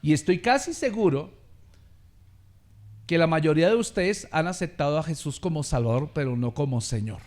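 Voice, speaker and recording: Male pastor with a high voice, preaching fervently and having the congregation repeat after him. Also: expressive, normal speed, a little mellow. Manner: preaching with rising volume and call-and-response; addresses listeners as beloved brother. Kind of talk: sermon.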